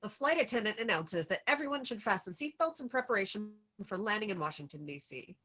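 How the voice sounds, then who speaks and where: A woman's voice: mid-range voice, sing-song, fast talker, pushed and bright. Woman narrating screenplay stage directions.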